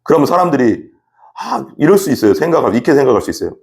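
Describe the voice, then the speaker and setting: A man's voice: medium pitch, big pitch swings, racing, vocal fry, a little mellow. A man preaching a sermon as pastor. He repeats words for emphasis, acts out little scenes, and keeps asking his listeners questions. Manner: emphatic, repetitive, acts out examples and asks the congregation questions.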